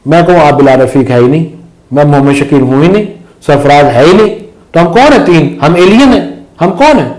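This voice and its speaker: Emphatic higher-voiced man, Pahari speaker. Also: expressive, fairly quick, a little mellow, low-quality recording. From Azad Kashmir. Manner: emphatic, rhetorical questions. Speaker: guest commentator. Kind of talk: political discussion.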